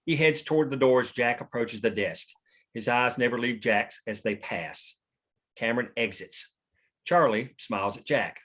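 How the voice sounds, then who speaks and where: A man narrates a script at a table read. His voice is of average pitch. He delivers each short stage direction in a plain, matter-of-fact way. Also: normal speed, a bit bright.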